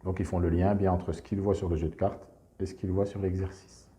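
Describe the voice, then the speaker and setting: A man calmly walking teachers through a classroom exercise, explaining step by step with frequent verbal fillers. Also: low-pitched, fairly quick, slight background noise. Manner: calm explanatory, frequent "donc" and "hein". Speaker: teacher presenting a reading method. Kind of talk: instructional screencast walkthrough.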